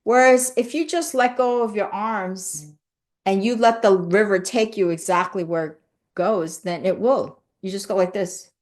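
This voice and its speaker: A woman's voice: medium pitch, a little slow. A middle-aged woman, born in South Korea and raised in the US, hosts a live stream in casual, earnest chat. She reads out viewer comments and often adds "you know" and "right?". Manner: lively when thanking viewers.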